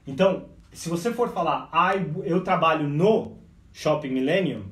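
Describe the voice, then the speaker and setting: An energetic man with a slightly high voice teaches a live English lesson, talking to his viewers as "guys". He sounds set back from the microphone, and the sound echoes in a big indoor space. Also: unhurried. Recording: echoey, speaker far from the mic.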